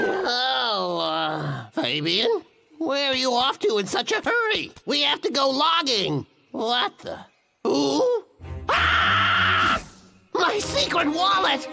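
An excitable, grumbling cartoon logger. The voice is creaky and slow-paced, with music behind it. He delivers everything in an exaggerated, exclamatory way. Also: extremely high pitch, full character voice. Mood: flustered, grumbling. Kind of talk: animated cartoon dub acting.

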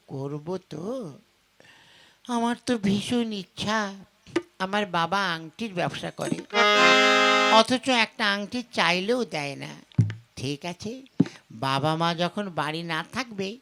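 A woman puts on a mischievous young village boy for a folk puppet comedy. The boy mutters and exclaims to himself, cheeky and full of greedy schemes. Loud music runs behind the voice. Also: lowish voice, expressive, slow, long pauses. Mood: scheming.

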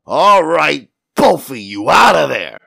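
Man acting a shouting young policeman, furious and high-pitched. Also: sing-song, takes it slowly, gravelly, heavily acted. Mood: harsh, barking. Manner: roaring, harsh, swearing.

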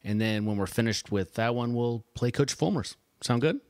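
A man in his forties hosting a podcast, talking in a steady, conversational way. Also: mid-range voice, moderate pace. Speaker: show host.

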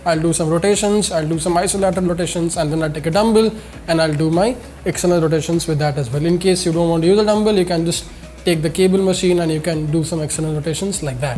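A man's voice: fairly high pitch, fast, darkish tone. A man in his twenties with an Indian accent and a nasal, whiny voice stuffed up by a cold and sore throat, presenting fitness instruction to camera with emphatic repetition. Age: 20s. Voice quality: nasal, congested whine from a head cold. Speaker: fitness channel host. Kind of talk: scripted-style instructional vlog to camera. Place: indoor studio with plain backdrop. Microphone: lapel mic.

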